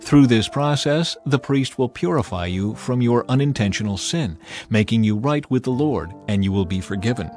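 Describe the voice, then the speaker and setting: A man narrating scripture as a dramatized audio reading, with a solemn, measured and emphatic manner. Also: mid-range voice, expressive, darkish tone. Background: background music.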